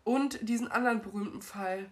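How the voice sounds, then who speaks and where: A woman's voice: medium pitch, brisk. Woman with a cold, rambling. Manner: rambling, trails off mid-sentence. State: has a cold, stuffy. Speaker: podcast co-host. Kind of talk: casual chat. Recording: amateur home mic setup.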